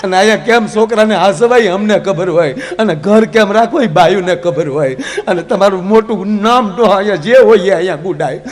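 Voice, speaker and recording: A man's voice: high-pitched, a little fast, few pauses, lightly acted. A man doing a nagging, fed-up goddess wife. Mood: scolding. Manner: nagging, complaining. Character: exasperated goddess wife scolding her absent husband.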